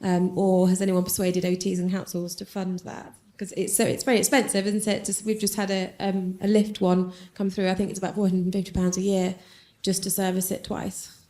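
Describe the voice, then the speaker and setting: A woman in the audience asking a question hesitantly, pausing with many fillers. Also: medium pitch, monotone, warm tone.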